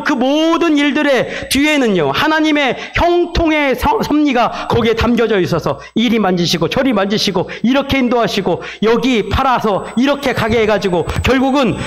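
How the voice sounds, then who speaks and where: Pastor preaching with a very high voice, animated and dramatic, mimicking sound effects. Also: male voice. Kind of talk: sermon.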